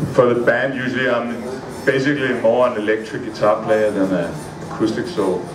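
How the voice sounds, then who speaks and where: Over clear music in the background, a man talks at a moderate pace with ordinary pitch variation. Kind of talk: stage banter between songs. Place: shop. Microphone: camera far.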